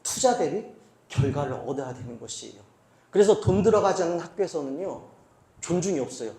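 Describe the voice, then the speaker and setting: Guy preaching a sermon, high voice that swings all over, lots of rhetorical questions. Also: animated, a little fast, a little mellow. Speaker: senior pastor. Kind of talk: sermon at a church retreat. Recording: roomy hall echo.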